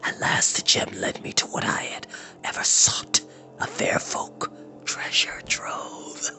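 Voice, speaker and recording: A man voicing a cold, cruel, arrogant wizard in a storybook, with a hissing, whispery voice and a slow, menacing, contemptuous manner. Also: over music, lightly acted. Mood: gloating. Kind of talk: storybook character voice.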